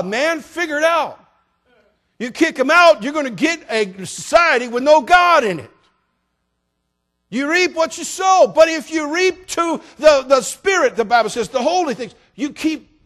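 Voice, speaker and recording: A middle-aged man preaching a sermon as pastor, folksy and joking, building up to shouted passages. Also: extremely high pitch.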